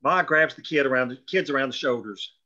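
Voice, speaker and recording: A man narrates screenplay stage directions at a table read. His voice is bright and forward, at a middling pitch, on a dull, lo-fi recording. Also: brisk.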